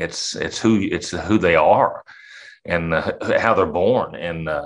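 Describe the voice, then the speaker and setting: Against a quiet background, a man speaks very slowly in a very deep, low voice. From southern Illinois. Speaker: songwriter and singer. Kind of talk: casual interview chat.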